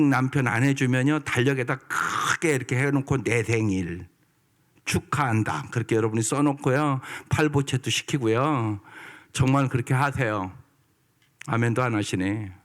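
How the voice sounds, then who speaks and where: Man preaching, coaxing his listeners. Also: medium pitch. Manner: lively, prods the congregation for responses. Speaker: pastor. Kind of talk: sermon. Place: church sanctuary.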